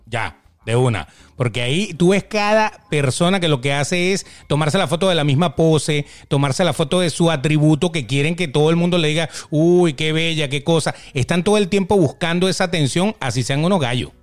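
A man's voice: on the high side, a little fast. A man co-hosting a casual podcast, chiming in with brief wry remarks.

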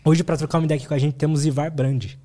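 A man hosts a podcast and interviews his guest in a casual, friendly way. He talks quickly, and his voice has a mellow, darker warmth. His reactions stay short and easygoing. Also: fairly high pitch. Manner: relaxed, friendly, brief reactions. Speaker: podcast host.

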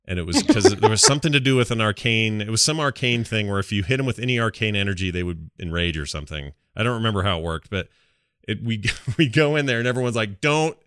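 A man's voice: fairly low pitch, expressive, fast talker, a bit bright, smooth, no echo, studio quality. A man hosting a gaming podcast, talking casually and rambling through informal asides. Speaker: podcast host.

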